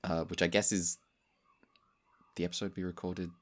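A man's voice: low voice, little pitch movement, normal speed. A man co-hosting a podcast in casual chat, wrapping up in a loose, meandering way. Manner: loose, meandering sign-off delivery. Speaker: podcast co-host.

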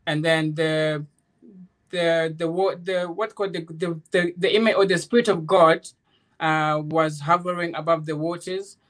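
Higher-voiced, even-toned man, earnest and rambling. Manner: earnest, rambling, repeats phrases, checks understanding. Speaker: guest, author. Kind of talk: informal spiritual discussion.

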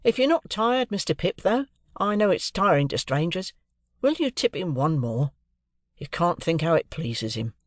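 A man voicing a cheerful, proud middle-aged male clerk, talking brisk and earnest in a raised voice. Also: high voice, sing-song, dry recording, studio quality, pitched above the performer's own voice.

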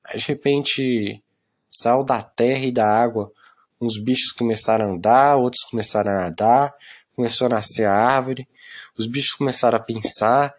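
A man's voice: medium pitch, normal speed. A young man, rambling through a solo podcast into a phone in a self-mocking, complaining way that often trails off into mumbles. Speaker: podcast host.

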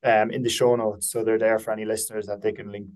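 A man's voice: fairly low pitch, level tone, fast talker, a little mellow. A man hosting a conversational podcast interview in a polite, appreciative manner.

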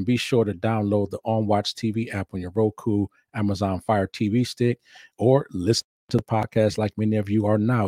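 Podcast host, middle-aged man, chatty with lots of restarts, lowish voice, dry close sound. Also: dark tone, dry recording. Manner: chatty, repeats words, frequent restarts. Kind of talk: casual podcast interview.

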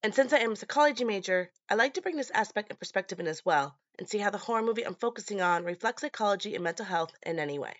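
A woman's voice: medium pitch, animated, rapid-fire, hardly any pauses, dry recording, muffled recording. A woman hosting a casual horror movie podcast, her voice congested and nasal with a stuffed nose and sore throat. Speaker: podcast host.

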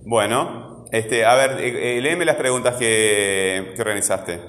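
A man's voice: on the low side, measured pace, a bit bright, a little hiss or hum. A man teaching a grammar lesson to a class. He asks patient, coaxing questions and sounds out words syllable by syllable. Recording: echoey classroom, roomy reverb.

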